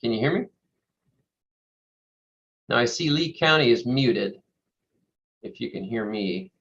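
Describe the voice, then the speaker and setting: A man's voice: medium pitch, animated, unhurried, vocal fry, fairly bright tone. A man presenting on a video call as the call drops out, repeatedly asking whether he can be heard. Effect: call dropping out, voice lost on the line. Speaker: benefits consultant presenting. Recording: dull lo-fi call audio.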